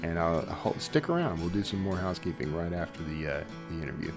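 A man's voice: low voice, fast talker, over music. A man hosting a podcast in a chatty, informal, rambling way, often hesitating and digressing. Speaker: podcast host. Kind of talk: casual, rambling podcast introduction.

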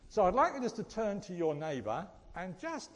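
His voice is high, swings widely in pitch, and moves at a normal speed. The Suffolk-accented preacher delivers a casual teaching sermon in a large, reverberant hall, frequently turning to the group with questions.

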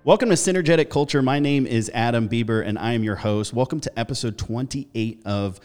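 A man's voice: mid-range voice, fairly quick, a little mellow, soft background music. Friendly, enthusiastic podcast host man. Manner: friendly, enthusiastic, many fillers. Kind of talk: casual interview conversation.

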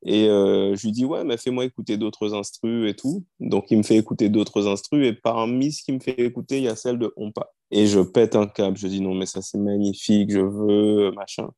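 Mellow low-voiced man, easygoing. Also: steady tone, a little fast, few pauses, no room sound, studio quality. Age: 30s. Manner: storytelling, easygoing, frequent fillers. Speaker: singer-songwriter guest. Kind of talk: relaxed interview talk.

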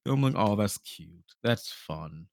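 A man co-hosting a podcast, giving a casual game review in an animated storytelling way, acting out reactions. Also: fairly low pitch, slow pace, dry recording, clean studio sound. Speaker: podcast host.

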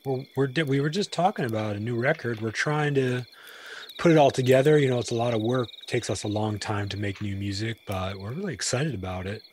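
Chill band guy joking around, middle pitch, little bit of noise behind him. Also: fairly quick, darkish tone. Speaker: musician, band member guest. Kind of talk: casual banter.

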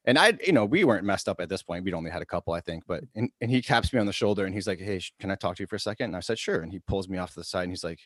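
A man co-hosting a podcast, chatting casually and telling stories in an animated way with many restarts. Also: sits low, racing, few pauses, no echo, studio quality. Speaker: podcast co-host. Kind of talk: casual chat, storytelling.

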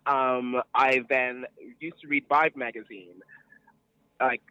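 Bright-voiced man with a transatlantic accent. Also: medium pitch, fairly even intonation, slow, smooth, no echo, lo-fi sound. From born in New York, grew up across Europe and Sierra Leone. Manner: playfully self-assured, chatty, anecdotal. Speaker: celebrity wardrobe stylist, interview guest. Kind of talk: casual interview chat.

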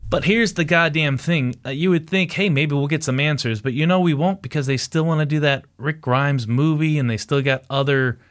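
A man's voice: on the high side, moderate pace, hardly any pauses. Blunt, rambling podcast host man. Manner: blunt, rambling, swears freely. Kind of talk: casual chat.

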